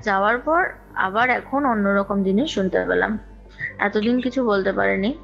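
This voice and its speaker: A woman's voice: medium pitch, normal speed, creaky, a bit bright. A woman telling a personal story conversationally, talkative and repeating phrases for emphasis, with some English words mixed in. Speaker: guest recounting own ghost experience. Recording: dull lo-fi call recording, music underneath. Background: music.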